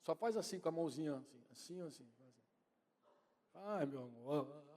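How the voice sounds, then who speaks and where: Speaking very fast, a Brazilian Portuguese-accented pastor delivers a conversational sermon, frequently turning to address his congregation and his wife. His expressive, dark-toned voice sits on the high side, and the church hall gives it a big-room sound.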